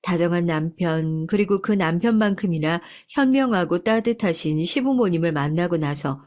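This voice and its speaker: A woman narrating a first-person life story in a soft, confiding way. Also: on the low side, normal speed.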